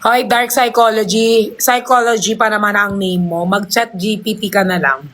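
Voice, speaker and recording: A young woman on a casual livestream, talking excitably into a phone and gushing thanks for gifts, mixing English into her talk. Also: mid-range voice, moderate pace. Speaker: live streamer.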